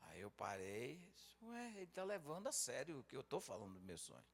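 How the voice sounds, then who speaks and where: A man's voice: medium pitch, fairly quick, in a large hall. A middle-aged man, a pastor and councilman, telling a story with laughter and acted-out dialogue. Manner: animated, laughing storyteller who acts out dialogue.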